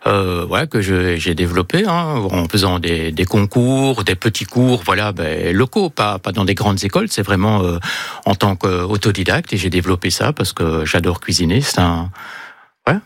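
A man's voice: low voice, animated, moderate pace, dry recording. A middle-aged man with a Belgian accent talking casually as an interview guest, a little hesitant and full of filler tags. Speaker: interview guest, self-taught cook and author.

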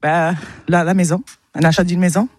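A woman who grew up in Luxembourg, chatting cheerfully in a casual radio street interview, laughing easily and pausing on fillers. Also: fairly low pitch, fairly even intonation, a little mellow. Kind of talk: casual radio vox-pop chat.

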